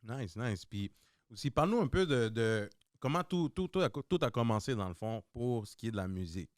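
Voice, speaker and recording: A man's voice: medium pitch, big pitch swings, fairly quick, no room sound, clean studio sound. A man with a Québécois accent co-hosting a casual podcast, talking in a loose, joking way with slang and repeated words. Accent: Québécois French. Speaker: podcast co-host.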